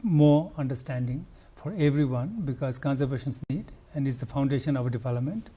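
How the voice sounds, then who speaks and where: An older Nepali man with a Nepali accent, a conservationist answering interview questions earnestly and haltingly, with restarts and fillers. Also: mid-range voice, mellow, husky. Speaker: conservationist guest.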